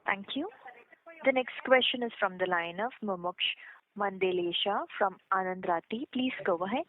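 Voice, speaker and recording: A woman's voice: medium pitch, moderate pace. A woman moderating a conference call over a phone line, making formal, scripted announcements. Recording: tinny phone line with faint hiss.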